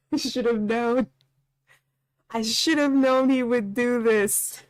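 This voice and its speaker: A woman's voice: on the high side, steady tone, slow pace, no echo, clean studio sound. A woman playing a visual novel and commenting casually, thinking aloud in a playful, slangy, informal way. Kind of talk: casual let's play commentary with read-aloud game dialogue.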